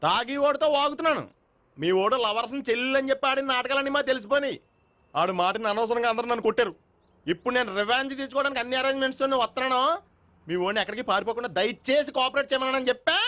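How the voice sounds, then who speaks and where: An actor playing a loud-mouthed young comic sidekick, brash and mocking, in a film comedy. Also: male voice, very high-pitched, racing. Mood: taunting. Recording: dull film soundtrack with music.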